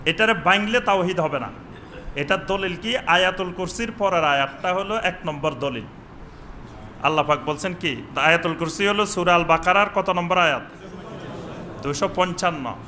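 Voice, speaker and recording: Male preacher, bright tense voice, chants Arabic lines slowly, faint room noise. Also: high voice. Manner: chants Arabic phrases slowly, questions the audience. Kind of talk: sermon. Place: mosque with upper floor and veranda.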